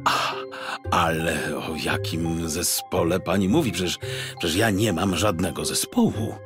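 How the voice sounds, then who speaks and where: A man's voice: deep voice, unhurried, over music, voice pushed down. A man voicing a grumbling, easily flustered detective who hesitates, in a children's audiobook. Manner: hesitant, stammering.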